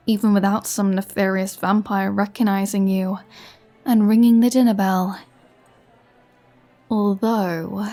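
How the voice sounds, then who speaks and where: A woman's voice: mid-range voice, darkish tone, close to an everyday voice. A woman playing a flirty, teasing vampire with a sarcastic, playfully threatening manner in a roleplay audio drama. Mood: teasing threat, then playful mocking. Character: flirty, teasing, menacing female vampire toying with a hunter.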